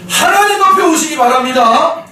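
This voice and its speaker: High-voiced pastor preaching in an echoey church. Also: male voice, normal speed. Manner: animated storytelling preaching, addressing the congregation often. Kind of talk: sermon. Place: church sanctuary. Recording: very echoey church hall, mic far off.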